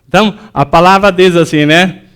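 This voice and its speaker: A man with a high voice preaches a sermon in a church. He talks loosely, with many fillers and restarts, and he acts out the words of the people in his stories. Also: fairly even intonation, normal speed, fairly bright tone, smooth. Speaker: pastor.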